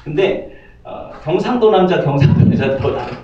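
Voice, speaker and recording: Man, pastor, sermon, jokes with the congregation, somewhat high voice, far from the mic, dull audio. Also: animated, moderate pace, a little hiss or hum. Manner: joking, asks the congregation questions. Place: church sanctuary. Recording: distant, echoey, slightly dull church audio.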